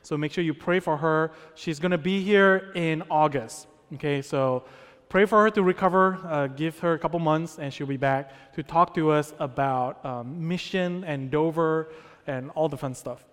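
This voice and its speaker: A man's voice: on the high side, normal speed, smooth. A young man from Malaysia preaching in a church in a casual, conversational way, checking in with the congregation often. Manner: conversational, with many fillers and check-ins. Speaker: pastor. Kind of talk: sermon. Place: church sanctuary. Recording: long hall reverb.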